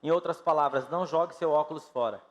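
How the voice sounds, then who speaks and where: In a church sanctuary with big-room sound, a Brazilian pastor in his fifties preaches a sermon straight to his congregation. His voice is fairly high, and he's emphatic, swinging sharply between loud exclamations and quiet, drawn-out phrases, with a Brazilian Portuguese accent.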